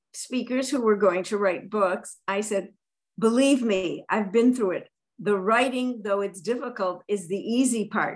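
A woman with an American accent has a plain, everyday voice, fairly high in pitch with ordinary pitch variation, against a quiet background. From US Midwest, Chicago. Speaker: author and keynote speaker on networking. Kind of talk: podcast interview.

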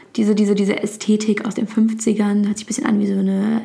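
Intonation stays monotone and flat as a woman talks against noticeable background noise. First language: Turkish (speaking German). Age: 20s. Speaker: podcast host. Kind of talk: solo podcast monologue. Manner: hesitant, many filler sounds.

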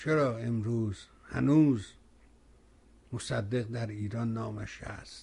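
At a very slow pace with long, frequent pauses, a man speaks at medium pitch in a dark, mellow, somewhat breathy tone. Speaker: TV talk show host. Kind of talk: political commentary monologue. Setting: TV studio. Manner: animated.

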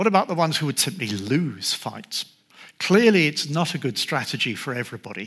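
Quick-paced and pitched fairly high, a man's voice shows vocal fry and very wide pitch swings. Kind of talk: public lecture. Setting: stage with audience.

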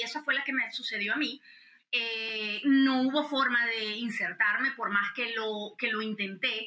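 A woman's fairly high voice at a moderate pace, ordinary pitch variation and noticeable background noise. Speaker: business founder and accountant. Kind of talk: interview.

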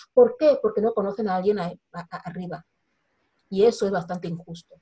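A woman's dark, mellow, somewhat breathy voice at a moderate pace. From Equatorial Guinea, Bata; partly raised in Cameroon and Gabon. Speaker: movement founder and social media activist. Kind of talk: interview conversation.

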